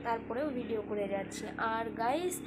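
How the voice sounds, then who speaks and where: A woman's voice: a little high, lively intonation, moderate pace, background noise. A young woman from West Bengal chatting casually in a daily vlog, talking to her viewers from home outdoors on a phone camera. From West Bengal, India. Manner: chatty, sing-song calling and coaxing. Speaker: vlogger.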